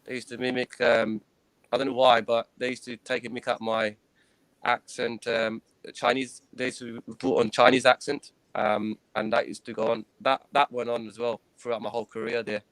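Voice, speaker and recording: A man in his thirties, a guest in an interview, recounting his own experiences in an earnest, hesitant way, pausing and restarting often. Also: medium pitch, level tone, a bit bright, no echo, rough recording. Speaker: guest, former professional cricketer.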